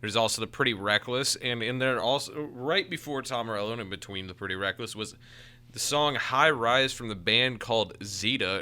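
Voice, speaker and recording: A man's voice: fairly low pitch, bright, forceful tone. An American man working as a radio DJ, announcing music and chatting in a casual, enthusiastic way.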